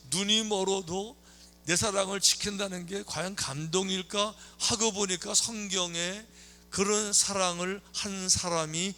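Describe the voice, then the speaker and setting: A man preaching a sermon as a pastor, telling stories in a lively way, acting out the characters' lines and tossing questions at the congregation. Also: high voice. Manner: lively storytelling, acting out quoted lines, chatty asides to the congregation. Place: church sanctuary.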